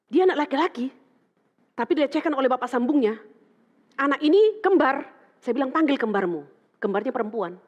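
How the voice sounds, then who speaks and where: A middle-aged woman pastor from Indonesia, preaching through lively stories and acting out the dialogue in quoted voices. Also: high voice, a little fast, pauses often. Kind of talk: sermon with storytelling. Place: church hall. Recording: dull sound with long church reverb.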